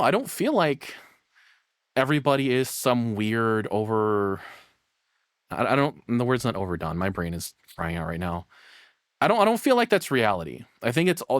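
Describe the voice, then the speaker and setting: A man's voice: mid-range voice, no room sound, studio quality. An American man rambling casually on a livestream, often interrupting himself and swearing mildly. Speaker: streamer reacting to a video; voice actor.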